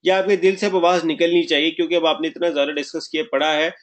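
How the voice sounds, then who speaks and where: Higher-voiced man teaching a webinar. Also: flat delivery, fast talker. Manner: interactive, asks the class questions often; mixes English terms into explanations. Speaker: online marketing instructor. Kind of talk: live webinar lecture.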